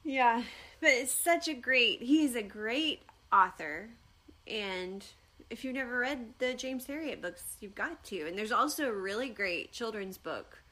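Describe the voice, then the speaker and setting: A woman's voice: a little high, lively intonation, measured pace, pushed and bright. A woman co-hosting a podcast in casual chat, laughing easily and encouraging. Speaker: podcast co-host.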